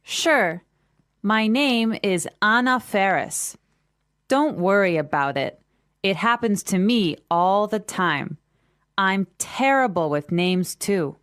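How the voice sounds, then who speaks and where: Woman acting easygoing friendly businesswoman for english lesson skit, standard american accent, cheery n very up and down pitch. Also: expressive, slow, a bit bright, smooth, dry recording, clean studio sound. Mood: friendly, upbeat. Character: friendly, easygoing young businesswoman meeting an acquaintance. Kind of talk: scripted language-lesson dialogue.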